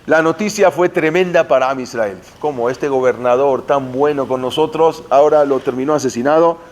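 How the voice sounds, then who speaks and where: A man's voice: medium pitch, normal speed. A man teaching Jewish history, telling the story dramatically and mixing in Hebrew terms. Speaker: Torah teacher.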